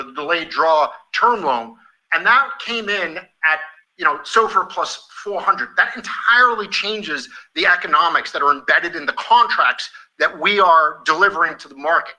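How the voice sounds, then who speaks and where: A man with a very bright, sharp voice set a little high, speaking as a company executive on an earnings call. He is emphatic and enthusiastic, and sometimes halts and repeats himself as he builds his answer. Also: normal speed, rough recording.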